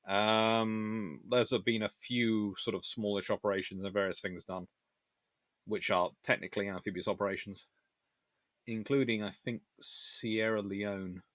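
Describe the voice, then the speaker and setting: A man's voice: lowish voice, level tone, unhurried, fairly bright tone, no room sound. Chatty man with a dry, close sound. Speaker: livestream host answering viewer questions. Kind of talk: casual rambling live Q&A on naval history.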